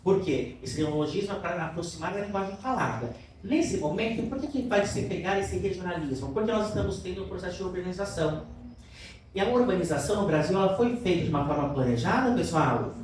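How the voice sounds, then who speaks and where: In a classroom at a cultural center, a man lectures on literature, affectionately checking in with his students and asking them questions. His voice sits high, animated and a little mellow, at a fairly quick pace. It sounds far off in a very echoey room, with faint noise.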